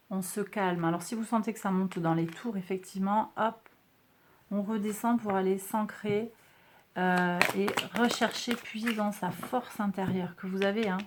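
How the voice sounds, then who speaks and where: A woman's voice: mid-range voice, slight background noise. A woman reading tarot cards and astrology for her viewers in a casual, reassuring way, often tagging her sentences with little checks to her audience. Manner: chatty, reassuring, peppered with "hein" and "d'accord"; addresses viewers directly as a group. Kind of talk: casual card-reading monthly forecast.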